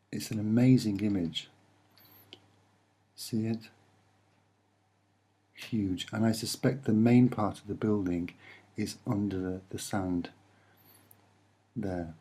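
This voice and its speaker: A soft-spoken man giving a hesitant, musing, rambling commentary on images as an amateur presenter. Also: fairly low pitch, husky.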